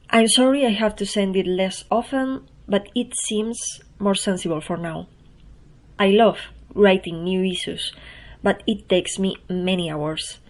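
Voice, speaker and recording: A woman with a Spanish accent, who speaks English as a second language, hosts her own podcast in a chatty, self-deprecating way. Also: medium pitch. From Spain. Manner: chatty and self-deprecating, soft-spoken, laughs at herself. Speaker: newsletter writer and podcast host. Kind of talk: casual spoken podcast intro, reading her newsletter.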